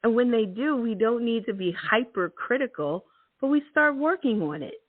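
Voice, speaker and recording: Woman host, middle-aged, deliberate motivational delivery, thin dry sound. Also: fairly high pitch, expressive, dry recording, narrow, tinny audio. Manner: emphatic, repeats key words, laughs often. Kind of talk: motivational talk.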